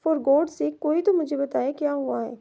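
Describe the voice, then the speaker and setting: A woman reading an audio novel aloud, voicing a lively young man who fires off anxious questions. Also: sits high, gravelly. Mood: worried. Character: carefree teasing young man, worried brother-in-law.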